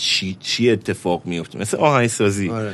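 This is an unremarkable speaking voice with ordinary pitch variation. It moves at a moderate pace. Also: man. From Iran, Shahr-e Rey (south Tehran). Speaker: rapper. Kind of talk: casual chat.

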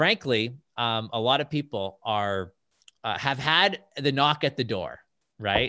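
With a Canadian accent, a man speaks fairly slowly at a medium pitch, his intonation lively. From Canada. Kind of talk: interview. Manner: halting, many fillers.

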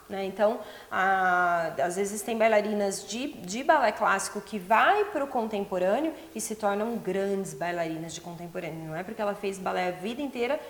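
With a Brazilian accent, a woman talks at a moderate pace. Noticeable background noise can be heard. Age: 30s. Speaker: dance teacher. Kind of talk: tutorial. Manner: conversational.

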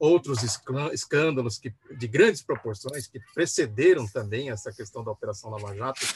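A man's medium-pitched, somewhat breathy voice with lively intonation, a moderate pace and hardly any pauses. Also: big swings in loudness. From Maringá, Paraná, southern Brazil. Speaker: interviewer, online channel host. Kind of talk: political interview. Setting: live online broadcast.

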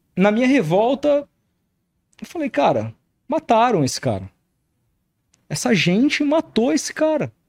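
With long, frequent pauses and very wide pitch swings, a man speaks in a dry, close sound with no echo. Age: 30s. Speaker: podcast host. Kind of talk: casual chat. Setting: live stream.

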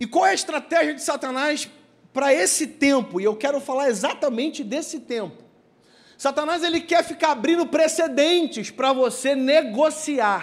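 A man's extremely high, animated voice at a moderate pace. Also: ordinary pitch variation. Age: 30s. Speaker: pastor. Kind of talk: sermon. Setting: church.

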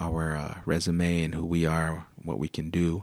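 A man's very deep, low voice in dry, close sound with no echo. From Navajo Nation, New Mexico (Shiprock). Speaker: rapper. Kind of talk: casual interview.

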